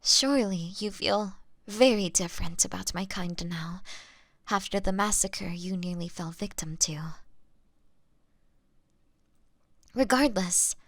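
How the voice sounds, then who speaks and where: A woman playing a gentle young female vampire in an audio roleplay, apologetic and halting, with a breathy voice that often drops to a whisper. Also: medium pitch, no room sound. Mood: wistful, apologetic. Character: gentle young female vampire, remorseful, fighting her bloodlust. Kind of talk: scripted dramatic audio roleplay monologue.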